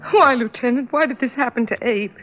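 An actress playing a grieving young widow and mother, distraught and halting, in an old radio drama. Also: on the high side, music in the background, natural voice. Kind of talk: 1950s radio drama acting. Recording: tinny narrow-band old radio recording.

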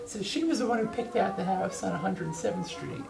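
High, creaky-voiced man telling stories. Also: lively intonation, a little fast, distant mic. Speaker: archivist and guide. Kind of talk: enthusiastic storytelling interview. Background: music.

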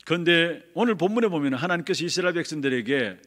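A male pastor delivering a sermon in a church, his slightly raised voice carrying forceful emphasis. Long reverb from the sanctuary trails each phrase as he stops to let the interpreter speak. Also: on the high side, lively intonation. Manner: emphatic preaching, pausing for the interpreter.

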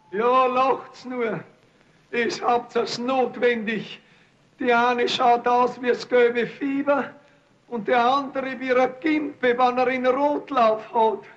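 A whining, gouty old rich peasant. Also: male voice, extremely high pitch, fairly bright tone, muffled recording, heavily acted. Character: aged, gout-ridden rich peasant, self-pitying and cranky.

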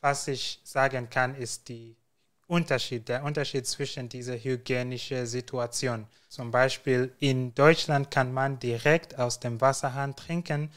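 Calm Ugandan man on a video call. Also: mid-range voice, a little slow. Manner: calm, careful, searching for words. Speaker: guest. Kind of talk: interview over video call. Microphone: headset on a video call.

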